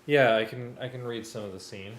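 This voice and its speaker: A man's voice: medium pitch, steady tone, a little fast. A man talking casually and hesitantly, thinking aloud as he works and sometimes reading from a script. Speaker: music arranger preparing a live table read. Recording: echoey room with faint noise.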